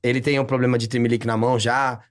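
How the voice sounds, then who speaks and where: Um homem com sotaque paulista, convidado de um podcast, contando histórias num papo descontraído e cheio de gíria. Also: male voice, mid-range voice, rapid-fire. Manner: slangy, storytelling, animated. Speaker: podcast guest. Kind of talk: casual podcast chat.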